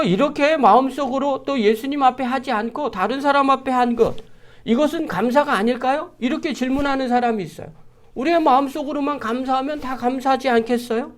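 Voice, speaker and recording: Early in the morning, a pastor delivers an earnest sermon, putting rhetorical question after rhetorical question to the congregation. His voice sits high.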